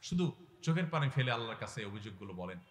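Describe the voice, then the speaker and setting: A man preaching an impassioned sermon to a large gathering on a microphone, asking the crowd question after question and swelling from soft pleading to loud exhortation. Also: medium pitch, sing-song, quick pace. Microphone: public address microphone. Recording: echoey long reverb through loudspeakers.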